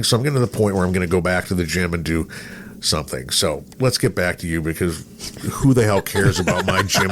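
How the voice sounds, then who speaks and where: A man's voice: lowish voice, slight background noise. A man in his sixties chatting casually and in a rambling, self-deprecating way, like a seasoned radio co-host. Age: 60s. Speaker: podcast co-host and radio broadcaster. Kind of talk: casual conversational chat.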